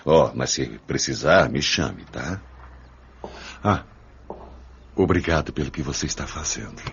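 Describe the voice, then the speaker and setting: An actor playing an ailing, anxious middle-aged head of a household in a radio drama, with a Brazilian accent. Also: male voice, rumbling low, lively intonation, measured pace, creaky, fairly bright tone, exaggerated voice. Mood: relaxed, grateful. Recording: dull, reverberant, some noise.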